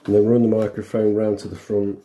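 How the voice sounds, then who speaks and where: A middle-aged man talks through a practical job at home in a casual, unscripted way. His voice is mellow and halting, thinking aloud as his hands work, with background noise and small clicks around him. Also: fairly low pitch, little pitch movement. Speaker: vlogger demonstrating a helmet intercom fitting. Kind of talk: casual hands-on tutorial chat. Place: room at home, indoors.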